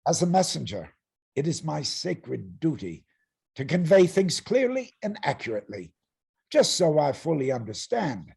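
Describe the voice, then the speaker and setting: Gravelly, menacing herald of Greek tragedy. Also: male voice, a little high, big pitch swings, normal speed, a little mellow, full character voice. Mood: cold threat. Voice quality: gravelly, rasping. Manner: threatening, declamatory. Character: menacing, arrogant herald claiming women as property. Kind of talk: dramatic reading of ancient Greek tragedy. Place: online video-call reading.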